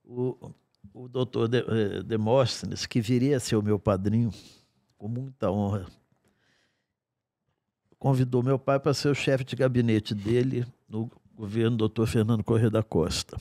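A man in his sixties, a guest in a podcast studio, telling stories from his life in an unhurried, wry way with dry asides. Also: medium pitch, steady tone, warm tone, no room sound. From Brazil. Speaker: guest singer-songwriter. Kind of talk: storytelling in a podcast interview. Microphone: studio mic on a stand.

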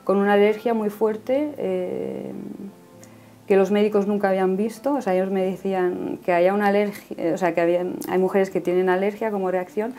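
A woman's voice: mid-range voice, fairly even intonation, brisk, dark tone. A woman in her thirties telling her personal faith story in earnest conversation. She often ends phrases with a questioning "no?". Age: 30s. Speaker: guest giving a faith testimony.

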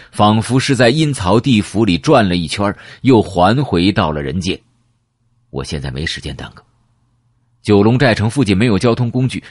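Low, husky male audiobook narrator. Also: no echo, clean studio sound. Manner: dramatic storytelling. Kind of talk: first-person audiobook narration.

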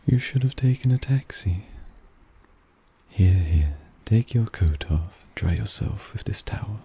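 A man's voice: on the low side, lively intonation, a little slow, warm tone, husky, exaggerated voice. A man voicing a suave, possessive vampire who teases and dotes on his pet in an ASMR roleplay, purring with condescending affection. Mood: doting, amused. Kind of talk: ASMR roleplay addressed to the listener. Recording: rain ambience noise behind voice. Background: rain.

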